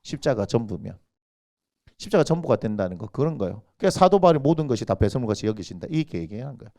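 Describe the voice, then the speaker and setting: A man's voice: medium pitch, very animated, racing, vocal fry, mellow. A male senior pastor, preaching a sermon in a church and quizzing the congregation with rhetorical questions. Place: church sanctuary.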